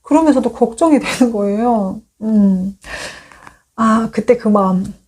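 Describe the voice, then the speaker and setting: Woman, 30s, from North Korea, slightly high voice, casual storytelling, animated, close mic. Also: a little slow, slightly rough. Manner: animated, acts out quoted dialogue. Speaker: YouTube host sharing her story.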